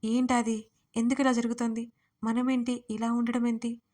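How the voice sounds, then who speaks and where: A woman's voice: a little high, level tone, moderate pace, darkish tone, lightly acted. A woman voicing a young wife in an audio storybook, sobbing and scolding her husband. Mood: tearful. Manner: sobbing, pleading then scolding. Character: young wife, tearful and fiery.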